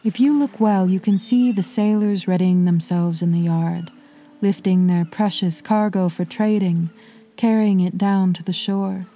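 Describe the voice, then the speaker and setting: A woman narrating an old myth as a podcast storyteller, in a measured, lyrical way. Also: mid-range voice, warm tone.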